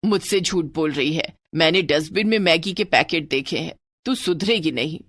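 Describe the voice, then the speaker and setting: A stern, nagging mother-in-law, put on by a woman narrator for an animated story. The voice sits a little lower and scolds with a lively, rising and falling pitch. The recording is dry and close. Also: moderate pace, no echo. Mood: scolding.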